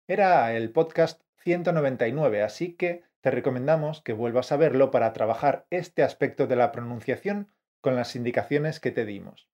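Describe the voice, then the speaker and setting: A man co-hosts a scripted language lesson, giving brisk coaching to the listener. His voice sits at a middling pitch, and the audio is slightly dull. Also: mellow. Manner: brisk, coaching, calls listener "campeón" and "fiera". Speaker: podcast co-host, Spanish teacher. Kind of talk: scripted teaching podcast.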